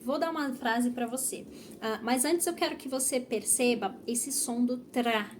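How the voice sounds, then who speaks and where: A young Brazilian woman teaching Portuguese pronunciation in an online lesson, speaking model phrases slowly and carefully for learners to repeat. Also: a little high, slight background noise. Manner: slow, over-articulated model phrases for repetition.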